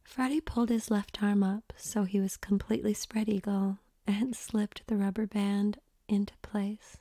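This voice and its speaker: Slow whispering woman storyteller. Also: mid-range voice, flat delivery, dry recording, studio quality. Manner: soft unvoiced whisper throughout. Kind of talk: whispered erotic story reading.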